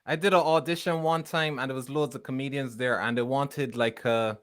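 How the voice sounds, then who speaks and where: A man with a Bajan accent telling anecdotes in casual, animated podcast chat as a comedian on the panel. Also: mid-range voice, fairly quick. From Barbados. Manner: animated storytelling, breaking into laughter.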